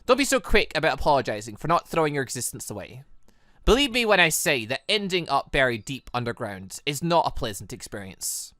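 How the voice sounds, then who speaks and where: A gamer voicing a calm, solemn god who leads an evil crew, in measured, formal speech for a visual novel. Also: medium pitch, no room sound, clean studio sound, voice pushed down.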